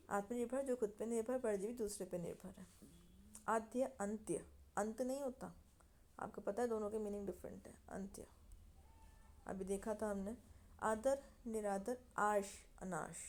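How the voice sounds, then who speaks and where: Slow, mellow-voiced woman teacher. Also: medium pitch. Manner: reads word pairs in a list, with short explanations. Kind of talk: exam-prep vocabulary lesson.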